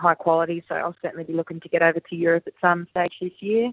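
Speaking in an Australian accent, a woman keeps a fairly quick pace. Her pitch is fairly low. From Mount Gambier, South Australia. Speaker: professional footballer. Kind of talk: radio interview.

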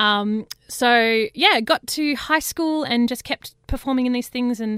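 A woman with an Australian accent talks at a fairly slow pace. Her voice is fairly high with ordinary pitch variation, on a very clean recording with a silent background. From Australia, central west New South Wales. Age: young. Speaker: opera singer. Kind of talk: casual chat.

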